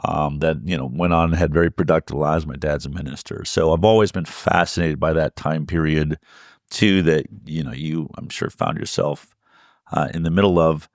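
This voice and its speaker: A man in his fifties hosting an interview, asking questions in a relaxed, conversational way with frequent fillers. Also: very deep voice, normal speed, no echo, studio quality. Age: 50s. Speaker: podcast host.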